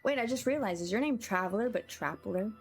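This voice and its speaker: A woman's voice: mid-range voice, lively intonation, a little fast. A woman live-streaming a game in a playful, chatty way, welcoming her viewers as she plays. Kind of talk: casual chat while playing. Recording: game music behind the voice. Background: game music.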